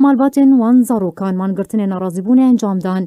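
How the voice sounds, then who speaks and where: A woman with a fairly high voice and a dark, mellow tone talks fairly quickly. Her pitch varies in an ordinary way, and the sound is dry and close with no echo. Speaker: news reader. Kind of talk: news reading.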